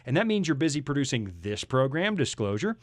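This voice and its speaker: Teasing male radio host, lively delivery. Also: mid-range voice, brisk, no echo. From Canada. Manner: teasing, joking. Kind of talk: jovial studio interview banter.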